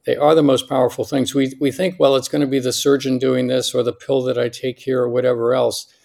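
An American man in his sixties speaking as a podcast guest in a conversational, emphatic way, often checking in with a quick "right?". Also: mid-range voice, level tone, gravelly, darkish tone. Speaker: podcast guest, longevity doctor. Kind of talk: conversational interview, personal anecdotes.

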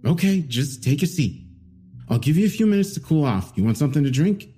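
A man voicing a thin, graying male detective who speaks calmly and tries to coax the suspect. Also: on the high side, a little fast, breathy edge, soft background music, voice pushed up. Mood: gentle. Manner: soothing, placating. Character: calm thin older male good cop.

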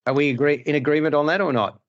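A man's voice: fairly high pitch, rapid-fire, dull audio. A middle-aged man whose first language is Hungarian, hosting a casual film-review panel and rambling through restarts and digressions. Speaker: podcast host.

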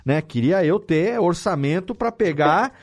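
A man's voice: sits high, expressive, unhurried. A man with a Brazilian Portuguese accent hosting a casual podcast, explaining things informally and often repeating words. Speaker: podcast host and audio drama editor.

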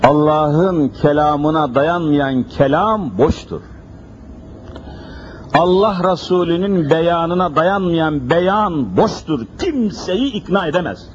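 A man's voice: on the high side, expressive, slow. A man preaching an emphatic sermon at a pulpit microphone, pressing rhetorical questions and repeating phrases insistently. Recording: dull lo-fi recording with faint noise.

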